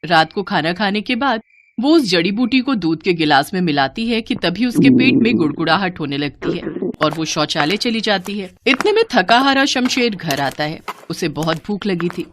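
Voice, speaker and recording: A woman narrating a scripted moral story in an expressive storytelling style. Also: lowish voice, normal speed, slight background noise.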